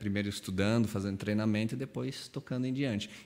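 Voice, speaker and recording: A man is speaking. His intonation is fairly even. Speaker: theologian and missionary. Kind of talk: podcast interview. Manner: halting, repeats words.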